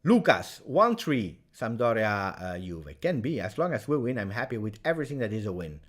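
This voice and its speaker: A man talks through a football match live as a reaction host, cheering openly for his side. His pitch swings widely, climbing high when a chance comes. He chats with viewers between moments of play. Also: normal speed. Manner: chatty and partisan, bursting into excited shouts at chances.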